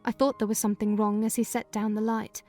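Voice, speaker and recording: A woman narrating a dramatized audiobook reading in a measured storytelling manner. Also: mid-range voice, flat delivery, a little mellow, faint music behind.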